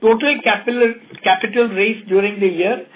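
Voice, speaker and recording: A man with an Indian accent formally reading out financial results as a company executive, in a measured way, over a telephone conference call. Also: high-pitched, fairly even intonation. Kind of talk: scripted financial results presentation. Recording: tinny narrow phone line.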